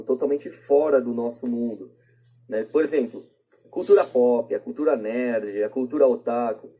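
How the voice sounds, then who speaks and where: A man with a Brazilian accent and a husky voice, talking casually and informally in a podcast discussion, explaining things through everyday examples. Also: mid-range voice, mellow. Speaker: podcast debate participant.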